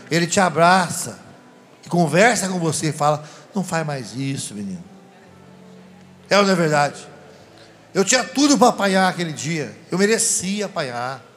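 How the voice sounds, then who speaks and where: Deacon guy preaching, telling funny and sad stories to the crowd, kinda high voice. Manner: animated, laughing storyteller addressing an audience. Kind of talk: sermon with personal storytelling.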